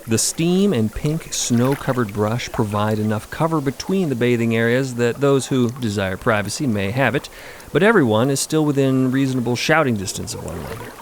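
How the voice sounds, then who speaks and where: A man's voice: mid-range voice, animated, moderate pace, a little hiss or hum. A man narrating a scripted fiction podcast as one of its storytellers.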